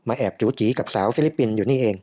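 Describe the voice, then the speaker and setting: A man voicing his brash, blunt, teasing male friend who talks roughly and bossily. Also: on the low side, racing, dark tone, natural voice. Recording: slightly muffled lo-fi recording.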